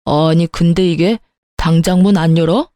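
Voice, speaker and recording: A woman voicing a stubborn, short-tempered middle-aged father who shouts and bullies indignantly in a storytelling reading. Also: fairly low pitch, steady tone, moderate pace, no echo, clean studio sound, voice pushed down, lightly acted. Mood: angry.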